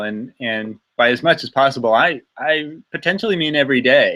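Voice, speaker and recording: On a very clean recording with a silent background, a man with an American accent talks at a fairly slow pace in a fairly high, bright, sharp voice with lively intonation. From United States. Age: 30s. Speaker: bicycle touring expert. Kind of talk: live Q&A stream. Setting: live YouTube stream. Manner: casual, many fillers and repetitions.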